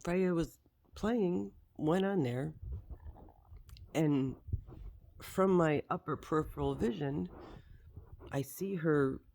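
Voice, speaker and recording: A man speaks slowly and haltingly, blubbering and choked up as he gives a personal account. A faint wash of noise sits behind his voice. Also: a little high, gravelly, darkish tone. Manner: halting, broken delivery.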